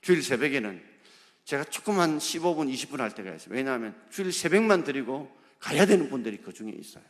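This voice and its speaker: A man's voice: medium pitch, big pitch swings, fast. A male pastor preaching a sermon, driving his points home with rhetorical questions to the congregation. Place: church sanctuary. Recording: long hall reverb.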